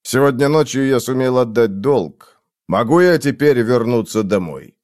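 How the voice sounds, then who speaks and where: A man's voice: mid-range voice, lively intonation, moderate pace, darkish tone, no echo, clean studio sound, lightly acted. A male reader voicing a blunt, weary middle-aged man in an audiobook. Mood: gruff.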